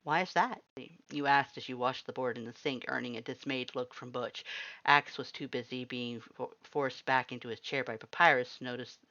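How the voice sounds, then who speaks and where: A woman's voice: very deep voice, level tone, moderate pace, bright, forceful tone, highs cut off. A woman reading fan fiction aloud as scripted story narration.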